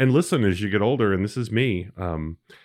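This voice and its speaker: A plain, everyday voice from a man, fairly low in pitch with ordinary pitch variation, at a fairly quick pace on a very clean recording with a silent background. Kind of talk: casual chat.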